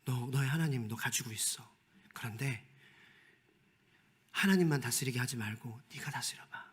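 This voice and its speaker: A man voicing a sly devil who coaxes believers, in a whispered role-play with a soft, wheedling whisper. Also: mid-range voice, moderate pace, breathy edge, voice pushed down. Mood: coaxing. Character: coaxing devil tempting believers, male, sly.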